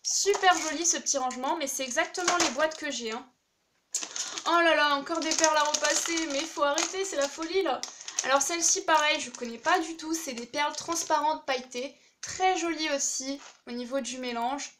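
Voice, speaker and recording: A woman's voice: sits high, a little fast, background noise. A young woman chatting casually and enthusiastically as she unboxes craft supplies, with many fillers. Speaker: craft YouTuber opening a swap package.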